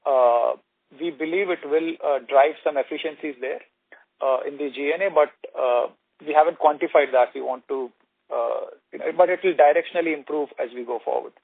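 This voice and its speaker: A man's voice: a little high, fairly quick, vocal fry, dry recording. Executive man on a phone line. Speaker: company executive answering analysts. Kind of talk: earnings call answers, corporate and explanatory. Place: conference call. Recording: narrow, dry telephone conference line.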